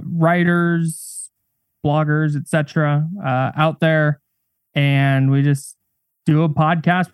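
A man guesting on a sports podcast, chatting casually with dry, deadpan teasing. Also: on the high side, smooth, dry recording. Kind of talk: casual chat.

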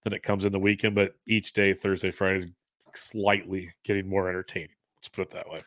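Feeling sick, this podcast co-host still chats loosely about sports betting, rambling and laughing frequently. He speaks briskly in a low voice with little pitch movement and a fairly bright tone, recorded without echo.

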